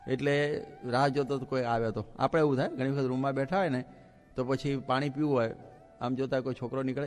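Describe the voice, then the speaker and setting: A man delivers a religious discourse as a lively storyteller, voicing the people in his tales as he goes. His voice sits at a middle pitch. The recording carries a long hall reverb and faint music in the background. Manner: animated storyteller who acts out the lines of people in his stories. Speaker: Hindu monk giving a religious discourse. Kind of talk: sermon with storytelling.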